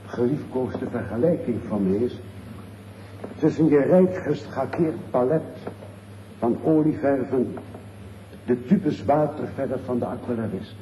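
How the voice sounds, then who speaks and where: Male speechmaker, Netherlands Dutch. Declamatory, solemn, very unhurried; dull, faintly noisy archive recording with strong room echo. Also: mid-range voice, warm tone, distant mic. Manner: declamatory, solemn, weighty phrasing. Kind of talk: formal tribute speech. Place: large echoey room, off the microphone.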